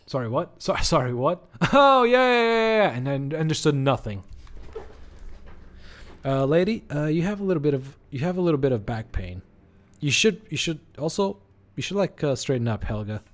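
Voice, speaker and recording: A man's voice: on the high side, big pitch swings, normal speed. Irreverent Portuguese-accented male gamer. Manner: irreverent, joking, rambling. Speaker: streamer. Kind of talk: let's-play commentary.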